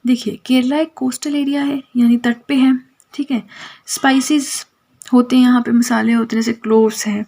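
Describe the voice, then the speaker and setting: Woman teacher going through a textbook chapter, kinda high husky voice, keeps saying theek hai. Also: little pitch movement, moderate pace, mellow. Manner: tags lines with "theek hai", mixes English terms into Hindi. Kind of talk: explaining a school textbook chapter.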